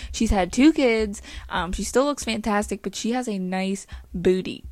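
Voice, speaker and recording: A woman speaks at a moderate pace in a normal speaking voice, her pitch medium with ordinary variation. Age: 20s. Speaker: fitness trainer and podcast host. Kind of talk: casual solo podcast monologue. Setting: late night home recording. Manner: chatty, frequent fillers and laughs.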